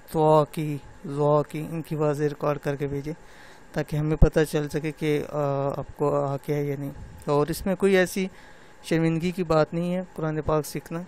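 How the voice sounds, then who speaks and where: With a voice on the high side and a darkish tone, a middle-aged man leads women through a tajweed lesson. He explains recitation patiently, draws out each letter sound slowly, and keeps repeating "theek hai."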